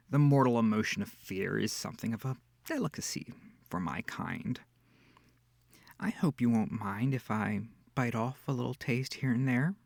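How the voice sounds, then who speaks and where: Man acting a smug, seductive incubus with creaky voice. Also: on the low side, no room sound, studio quality, exaggerated voice. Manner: theatrical, teasing, purring, breathy asides. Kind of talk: intimate ASMR roleplay audio.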